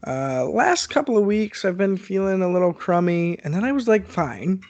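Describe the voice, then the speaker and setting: A man's voice: sits high, big pitch swings, moderate pace, darkish tone, dry recording, dull audio. A man co-hosting a podcast, chatting casually and animatedly while congested with a sore throat, on his own microphone over an internet call. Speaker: podcast co-host. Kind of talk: casual chat.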